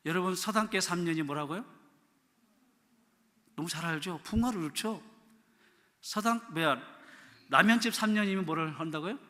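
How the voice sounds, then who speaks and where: A middle-aged man preaching in a church sanctuary, his voice high and ringing bright. He acts out prayers and quotes as he goes, moving between loud cries and hushed pleas. The hall adds a long reverb around every word. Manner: animated preaching, acting out prayers and quotes, shouting then dropping soft. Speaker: pastor. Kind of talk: sermon.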